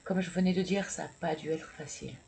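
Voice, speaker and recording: A man reading tarot and oracle cards for viewers, talking slowly and hesitantly with many fillers, and encouraging and congratulating the listener. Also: a little high, fairly even intonation, darkish tone, poor audio. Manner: slow, hesitant, with many fillers and repeated words. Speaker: tarot and oracle card reader. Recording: clear background noise.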